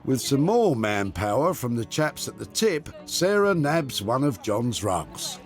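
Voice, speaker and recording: A man's voice: medium pitch, big pitch swings, unhurried, soft background music. A man narrating a TV show in a playful, teasing scripted voice-over.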